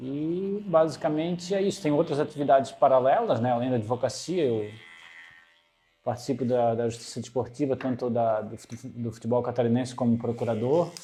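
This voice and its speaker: Ordinary pitch variation, a moderate pace, and a dark, mellow tone. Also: man, medium pitch for a man. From Florianópolis, Brazil (manezinho). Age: 50s. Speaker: lawyer, cancer survivor. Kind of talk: interview.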